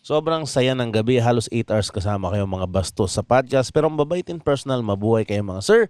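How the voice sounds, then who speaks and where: A man's voice: medium pitch, animated, fairly quick, a little mellow, smooth, dry recording, studio quality. A man from the Philippines hosting a comedy podcast, casually reading listener greetings aloud and joking. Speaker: podcast host.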